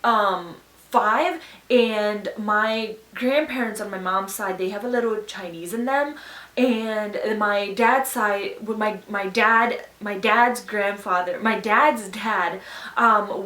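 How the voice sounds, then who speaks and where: A woman's voice: mid-range voice, a little slow, a bit bright, far from the mic. Earnest young woman in an echoey room. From Pakistan. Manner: earnest, reflective, opinionated. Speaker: YouTuber answering viewer questions. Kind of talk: casual Q&A chat. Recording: echoey room, voice a bit off-mic.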